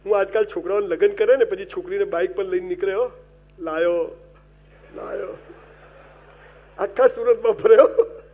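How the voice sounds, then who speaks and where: A man's voice: sits high, fast talker, lo-fi sound. A man giving a humorous motivational speech, telling comic stories and speaking straight to his audience with advice. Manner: animated comic storytelling with wide swings in loudness; addresses the audience directly and gives advice.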